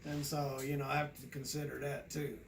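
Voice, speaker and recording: A man's voice: mid-range voice, completely flat delivery, brisk, vocal fry, background noise. An American man in his sixties, a trucker chatting casually in a folksy, rambling way. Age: 60s. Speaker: owner-operator trucker and vlogger. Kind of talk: casual chat on a phone call and to camera.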